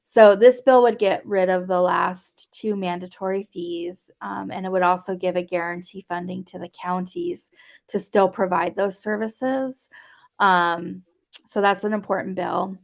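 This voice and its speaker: A woman's voice: lowish voice, fairly even intonation, a little slow, creaky. A woman guest advocate answering interview questions, hesitant with many fillers.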